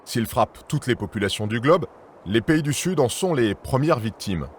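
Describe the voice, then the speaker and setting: A man reading a scripted documentary narration in a measured, serious voice. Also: mid-range voice, lively intonation, slight background noise. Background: music.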